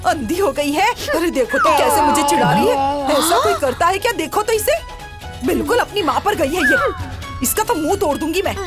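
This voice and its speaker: Brief: loud, melodramatic old mother-in-law, very high voice, music underneath. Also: sing-song, moderate pace. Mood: wailing, scolding. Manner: scolding, wailing and dramatic. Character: shrill, quarrelsome old mother-in-law, a grandmother. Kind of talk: comic film acting. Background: background music.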